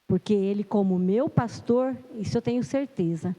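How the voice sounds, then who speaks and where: The sermon comes from a middle-aged lay preacher from Brazil, speaking with a Brazilian Portuguese accent at normal speed in a mid-range, dark voice. She begins nervously, then grows earnest and emphatic, all echoing with the long reverb of a church hall.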